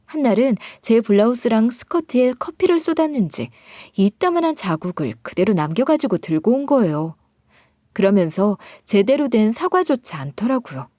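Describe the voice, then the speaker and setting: A woman's voice: mid-range voice, dark tone, dry recording, studio quality. A woman narrating a first-person story in an aggrieved, confiding way.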